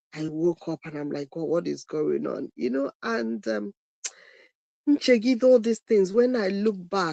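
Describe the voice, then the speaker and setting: A woman's dark, mellow voice at a fairly low pitch, with very wide pitch swings, a fairly slow pace, and a dry, close sound with no echo. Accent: Nigerian. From Nigeria. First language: Igbo. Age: 60s. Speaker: evangelist. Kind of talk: talk show interview.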